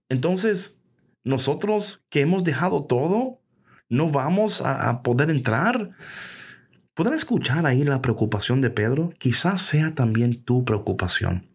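A man hosting a casual devotional podcast, lively and playful, dropping English phrases into his talk. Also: mid-range voice, slightly rough. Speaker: podcast host.

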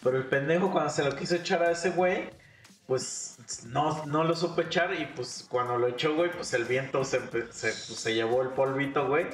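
A man's voice: medium pitch, normal speed. A young man with a Mexican accent telling a crude school story in laid-back casual chat. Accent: Mexican Spanish. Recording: echoey room, faint music.

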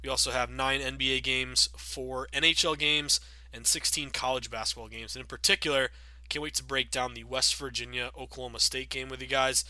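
A man in his thirties hosting a sports betting podcast, chatty and upbeat with many fillers, sounding a bit raspy from a cold. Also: mid-range voice, little pitch movement, a little fast, bright, forceful tone, no echo. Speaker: podcast host.

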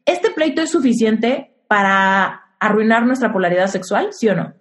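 A woman's voice: mid-range voice, expressive, normal speed. A young woman with a Mexican accent hosting a casual chat, giving frank relationship advice and posing rhetorical questions.

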